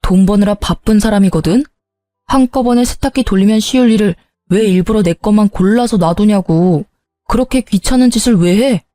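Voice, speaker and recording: Woman voicing a defensive young husband, argumentative, blaming, dark mellow tone, dry sound. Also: mid-range voice, normal speed, no echo, faint music behind, close to an everyday voice.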